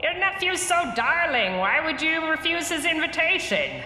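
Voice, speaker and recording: In a put-on character voice, the speaker talks at a moderate pace with a slight echo and clear background noise. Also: woman, extremely high pitch for a woman. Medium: actual play. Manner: sweet, gently coaxing.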